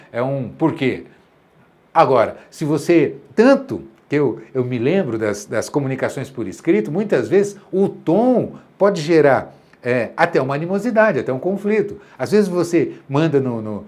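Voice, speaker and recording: A man's voice: fairly high pitch, a little mellow. A middle-aged man with a Brazilian Portuguese accent, teaching retail salespeople and often asking the viewer rhetorical questions. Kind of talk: instructional talk to camera.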